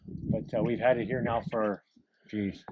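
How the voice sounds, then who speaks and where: A middle-aged man with a lowish voice rambles through a story with plenty of ums and restarts. He is recorded outdoors by a barn on an action camera, with clear background noise. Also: steady tone, measured pace, dull audio. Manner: rambling, chuckling, lots of fillers. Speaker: barn owner. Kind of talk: casual storytelling.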